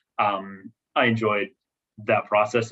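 A man speaks at medium pitch. He has a western New York accent. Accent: American (western New York). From US Northeast (Rochester, New York). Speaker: sports agent. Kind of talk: casual interview.

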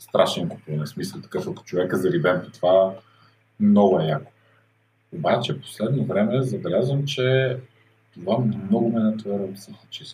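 A man's somewhat breathy, dark, mellow voice, fairly low in pitch, with lively intonation at a moderate pace. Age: 30s. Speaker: fitness coach. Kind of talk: podcast interview.

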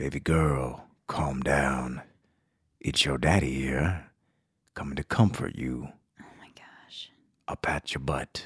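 Using a put-on character voice, a man speaks very deep and low at a fairly slow pace, with long, frequent pauses. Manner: soothing, calm.

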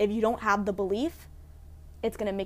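On a very clean recording with a silent background, a woman speaks at a very fast pace in an animated tone. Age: 20s. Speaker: health coach. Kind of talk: casual chat.

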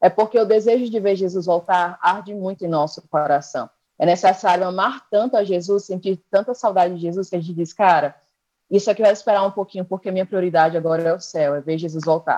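With a dark, mellow tone and medium pitch, a woman talks at a very fast pace with ordinary pitch variation. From Bahia, Brazil. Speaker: psychology student, former missionary. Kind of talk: interview testimony.

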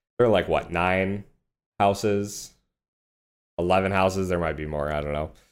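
Very deep and low in pitch, a man speaks with fairly even intonation and long, frequent pauses. The recording is very clean, with a silent background. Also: moderate pace. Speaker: podcast host. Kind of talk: casual chat.

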